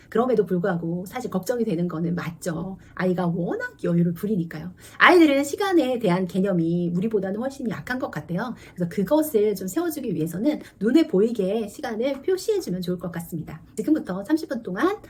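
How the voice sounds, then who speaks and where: A woman in her forties, a teacher and mother, talking earnestly to camera about parenting and acting out quick exchanges with her child. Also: mid-range voice, a little mellow, slight background noise. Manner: earnest, confiding, acts out dialogue with her child. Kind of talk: casual parenting talk to camera.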